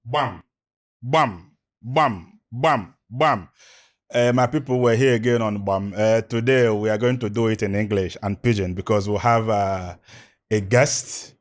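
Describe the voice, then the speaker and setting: This is a man with a Nigerian accent hosting an interview. He talks in a loose, chatty way, with drawn-out asides between his questions. His voice sits somewhat low. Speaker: interview host.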